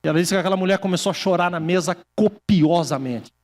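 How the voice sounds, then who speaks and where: A male pastor preaching a sermon, telling stories, acting out quoted voices and slowing down for emphasis. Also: high voice, darkish tone, big-room sound. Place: church hall.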